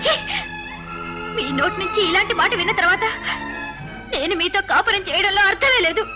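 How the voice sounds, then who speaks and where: An actress playing a wronged young wife who speaks through tears and pleads in a dubbed film. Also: female voice, very high-pitched, animated, fairly quick, loud music behind the voice. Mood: defiant. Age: young adult. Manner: tearful, pleading, indignant.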